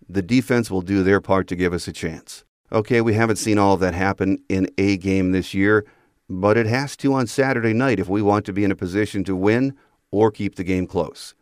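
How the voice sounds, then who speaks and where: A man's voice: on the low side, darkish tone, no room sound, clean studio sound. A middle-aged man hosting a sports podcast, reading an earnest, fan-like opinion piece in a scripted monologue. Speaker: podcast host.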